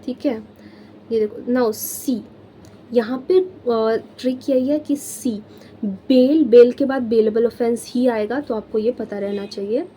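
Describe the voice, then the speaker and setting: A woman's voice: on the high side, slow, dark tone, a little hiss or hum. A young Indian woman teaching law, mixing Hindi and English with friendly check-ins as she explains memory tricks. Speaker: law tutor. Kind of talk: exam-prep lesson.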